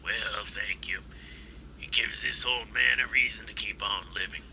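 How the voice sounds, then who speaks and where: An actor playing a kindly, folksy old man in an audio drama, talking in an unhurried way. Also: on the low side, steady tone, creaky, bright, forceful tone, slight background noise, heavily acted, poor audio. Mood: warm, reflective. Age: older.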